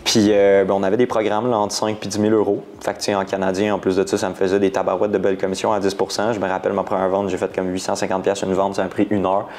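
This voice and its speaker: A young man in his twenties, a guest entrepreneur with a Quebec French accent, rambles through his story in a casual interview, using slang and dropping in English words. His voice is low and darkish, with little pitch movement. He talks fast and barely pauses.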